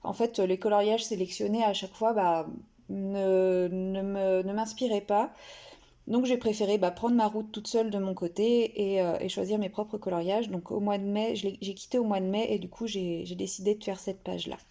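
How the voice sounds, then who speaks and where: A woman's voice: medium pitch, steady tone, moderate pace, warm tone. A woman vlogger casually showing her finished coloring pages, hesitant, with many fillers and restarts. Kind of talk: casual show-and-tell.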